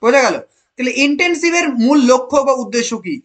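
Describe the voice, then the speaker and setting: High-voiced teacher quizzing students. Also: animated, fast. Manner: asks the class questions, repeats key answers; praises students by name. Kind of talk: online exam-prep lesson.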